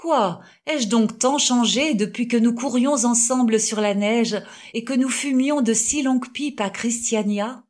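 A woman's voice: on the high side, unhurried, few pauses, darkish tone, voice pushed up, lightly acted. Woman narrator voicing a jovial middle-aged doctor, effusive, cordial, lifted tone, storybook. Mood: hearty. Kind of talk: audiobook character reading.

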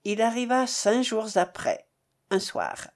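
A woman narrating a novel in an expressive, measured reading. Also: on the high side. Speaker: audiobook narrator.

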